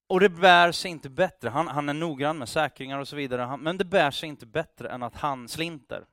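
A man's voice: fairly high pitch, a bit bright. A man preaching, his voice sitting a little above the usual male range. He tells a long story in a loose, chatty way, stumbling and restarting, and acts out the lines of the people in it. The sound is dry and close, with no room echo. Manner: conversational, with frequent restarts and acted dialogue. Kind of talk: sermon storytelling.

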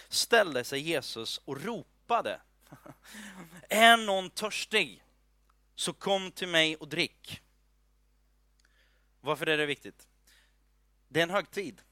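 A man's voice: on the high side, pushed and bright, no echo, studio quality. A man giving an informal, chatty sermon, joking and checking in with his listeners as he explains a Bible passage. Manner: chatty, joking asides, many fillers and restarts; asks the audience "are you with me". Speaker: preacher.

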